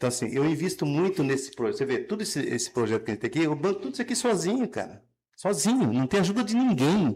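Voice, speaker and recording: Speaking very fast and high for a man, he swings his pitch very widely over a very clean recording with a silent background. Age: 60s. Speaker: podcast host, retired health worker. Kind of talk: casual chat. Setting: outdoors on the street. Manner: halting.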